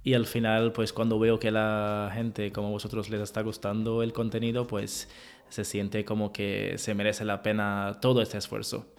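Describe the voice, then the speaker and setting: Man hosting a podcast, halting Spanish phrasing. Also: on the low side, monotone. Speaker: podcast host interviewing a guest. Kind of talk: conversational podcast interview.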